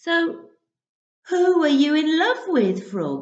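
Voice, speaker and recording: At a high pitch, a put-on character voice drawls at a very slow pace. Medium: read story.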